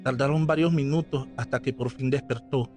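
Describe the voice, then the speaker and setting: A man reading a scripted horror story aloud as narrator, in a slow, measured storytelling manner. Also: medium pitch, fairly even intonation, darkish tone. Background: faint background music.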